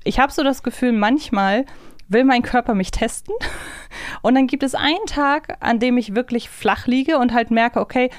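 A woman's voice: on the high side, normal speed, dry recording, studio quality. A woman co-hosting a podcast in casual chat, musing aloud and asking questions in a talkative way. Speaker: podcast co-host. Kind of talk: casual chat about an audio drama series.

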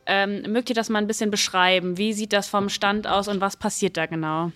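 A woman's voice: mid-range voice, fairly even intonation, brisk, a bit bright, no echo. A woman hosting a trade fair podcast, asking her guests questions in an upbeat, prompting way. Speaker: podcast host.

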